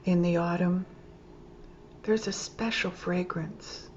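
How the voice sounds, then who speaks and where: A woman teaching yoga nidra, leading a guided meditation calmly and gently, in short phrases with pauses between them. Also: on the low side. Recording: dull lo-fi sound with clear background noise.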